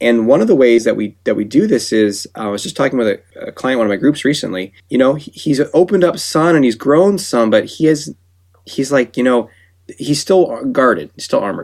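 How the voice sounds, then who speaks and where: A man with a plain, everyday voice and an American accent, medium pitch, lively intonation. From United States. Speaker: psychologist and men's coach. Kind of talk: interview conversation.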